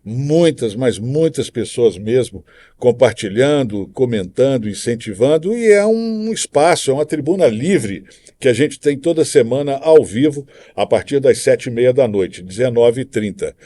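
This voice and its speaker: A man's voice: medium pitch, expressive, normal speed, mellow. A man with a Brazilian accent hosting a live podcast, interviewing and making announcements.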